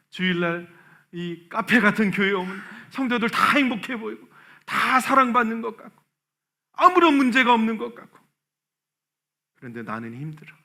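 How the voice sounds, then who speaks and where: A man pastor preaching a Sunday sermon in a church, swinging between hushed and loud, impassioned delivery. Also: high-pitched. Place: church sanctuary.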